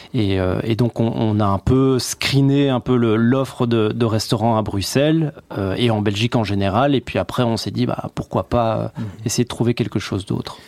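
A man talks at a moderate pace in a plain, everyday voice, with medium pitch and fairly even intonation. The sound is dry and close, without any echo. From Belgium, Brussels. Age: 30s. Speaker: restaurant owner and former footballer. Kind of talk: radio interview. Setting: studio.

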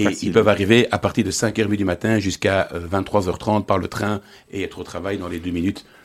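With a fairly low pitch and monotone, flat intonation, a man talks at a fairly quick pace in a very clean recording with a silent background. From Belgium, Brussels. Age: 40s. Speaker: entrepreneur. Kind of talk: radio interview.

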